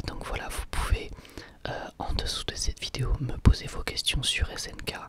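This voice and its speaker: A man hosting a whispered ASMR video, calmly answering viewer questions in a thoughtful, explanatory way. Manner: soft-spoken, thoughtful and explanatory. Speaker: ASMR channel host.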